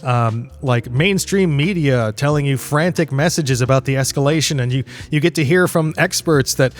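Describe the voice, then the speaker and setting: A middle-aged man hosting a podcast in a casual, rambling monologue, with an informal, animated way of talking. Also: mid-range voice, normal speed. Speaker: podcast host.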